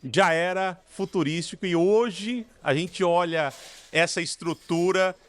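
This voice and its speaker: A Brazilian man with a slightly higher voice co-hosts in a hotel lounge on a boom mic. He speaks earnestly and formally. He restarts phrases as he goes and builds up his point. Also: steady tone, moderate pace, fairly bright tone. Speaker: co-host. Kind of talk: co-hosting an interview. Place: large hotel lounge, indoors. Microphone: desk mic on boom arm.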